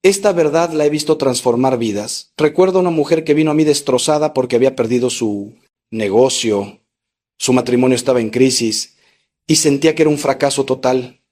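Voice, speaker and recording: A man, a Catholic priest, preaching a sermon emphatically with rhetorical repetition. He speaks straight to the listener, swinging between raised, intense lines and low, slowed ones. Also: darkish tone. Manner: addresses the listener directly.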